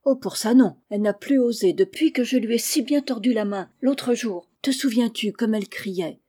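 A woman reading aloud, voicing a mischievous but good-hearted orphan boy, speaking quietly. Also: fairly high pitch, moderate pace, slightly rough. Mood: defiant.

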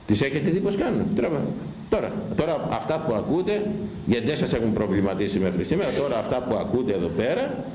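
A man preaching a fiery sermon, shouting and scolding his listeners with wide swings in pitch. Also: sing-song, echoey room, slight background noise, low-quality recording.

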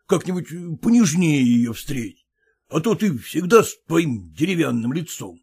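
A man's voice: on the high side, sing-song, a little mellow, breathy edge, heavily acted. A man doing a stern, lecturing father-in-law. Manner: lecturing, scolding, drawn-out.

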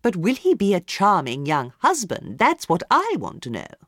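A woman voicing an imperious, demanding society lady who talks loudly and insistently. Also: wildly swooping pitch, moderate pace, no echo, studio quality. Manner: loud, demanding, shrill. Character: imperious society hostess, lady, middle-aged.

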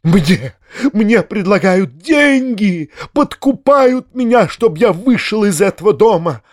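A man voicing a pompous, hypocritical middle-aged male sponger who squeals in shrill, self-righteous outbursts. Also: very animated, slow pace, dry recording, studio quality, full character voice. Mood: shrieking indignation. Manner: affectedly weak, self-righteous.

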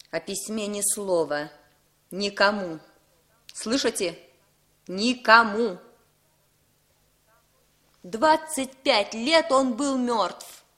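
Controlling young woman: brisk, firm, commanding, 1960s radio drama. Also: mid-range voice, fairly bright tone.

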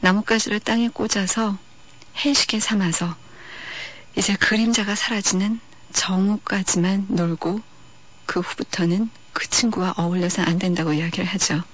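A woman hosting a radio film-music show, talking about films in a calm, reflective, unhurried way. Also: medium pitch. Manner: calm, reflective, unhurried delivery with soft pauses. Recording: dull lo-fi radio archive.

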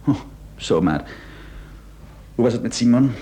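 An actor playing a meek, guilt-ridden, henpecked husband in a radio play, hesitant and subdued. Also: male voice, mid-range voice, lively intonation, unhurried, noisy background, close to an everyday voice. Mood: evasive. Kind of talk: Dutch-language radio play acting.

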